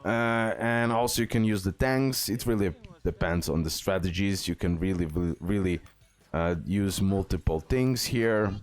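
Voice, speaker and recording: Low-voiced man giving a casual game tutorial. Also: moderate pace. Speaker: gaming guide host.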